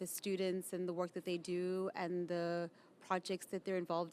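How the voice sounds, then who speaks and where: A woman speaks at a medium pitch with monotone, flat intonation. The recording is very clean, with a silent background. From South Africa. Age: young. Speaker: speaker. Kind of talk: interview.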